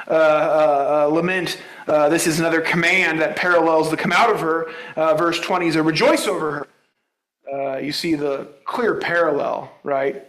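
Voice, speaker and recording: Heard through a rough recording in an echoey room, this pastor's voice is on the high side and a bit bright. He teaches conversationally through a Bible passage in his sermon, pausing to check in with the congregation.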